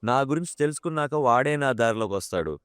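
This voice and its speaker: A man's voice: mid-range voice, lively intonation, fast, clean tone, dry recording, clean studio sound, lightly acted. A man voicing an arrogant, drunk young male office bully in an audio drama, sneering, mocking and threatening.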